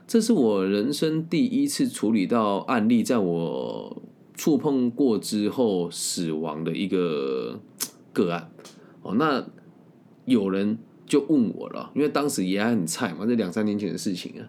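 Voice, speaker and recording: A man, a career-planning coach, telling a story in a casual monologue. He talks bluntly and candidly and often ends sentences with drawn-out particles. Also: lowish voice, very animated, darkish tone.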